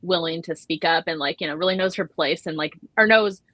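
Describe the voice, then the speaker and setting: A woman's voice: lowish voice, brisk, a bit bright, no room sound. A woman in a casual book discussion, speaking informally and agreeably. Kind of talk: casual chat.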